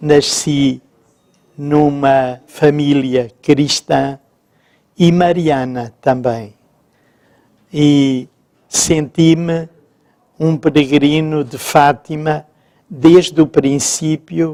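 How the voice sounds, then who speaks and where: A man with a dark, mellow tone and fairly high pitch speaks at a very slow pace. His intonation is fairly even, broken by long, frequent pauses. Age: 70s. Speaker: priest. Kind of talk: conversational interview.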